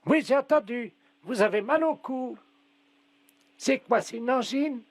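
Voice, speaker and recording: A man doing a pushy, muddled old woman making a prank phone call, her voice pitched very high. She keeps mishearing on purpose and chatters on in a mock-sweet way. The sound is dry and close, with no room echo. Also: measured pace, heavily acted. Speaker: prank caller.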